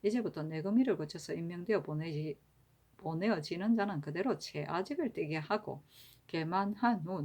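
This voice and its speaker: A woman reading historical court annals aloud in a steady, even-paced, formal manner. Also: fairly low pitch. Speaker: reader of historical records.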